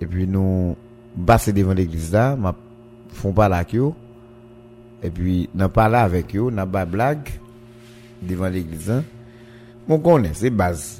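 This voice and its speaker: The pace is very slow, with long, frequent pauses. The intonation is lively. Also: man, very deep, low pitch for a man. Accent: Haitian. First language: Haitian Creole (speaking French). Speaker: radio show host. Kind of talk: radio interview.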